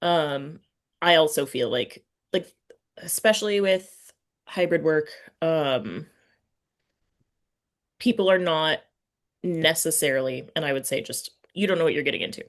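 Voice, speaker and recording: A woman's voice: low voice, a little slow, pauses often. A woman hosting a casual literary interview, speaking informally and thinking aloud as she forms her questions. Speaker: podcast interviewer and writing teacher.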